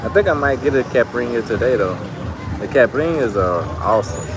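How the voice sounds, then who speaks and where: A man's voice: medium pitch, expressive, fairly quick. A man vlogging outdoors at night in a bar area, talking loosely and casually with lots of "like" fillers. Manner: loose, chatty, many "like" fillers. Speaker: travel vlogger. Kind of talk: casual rambling talk to camera. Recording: outdoor street audio with loud music. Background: music from nearby bars.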